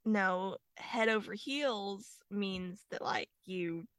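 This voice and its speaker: Young woman, podcast co-host on a video call, giggly and chatty, bright tone, dry sound. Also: mid-range voice, slow pace, clear, resonant tone, no echo. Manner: giggly, chatty, laughs often. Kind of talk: casual chat.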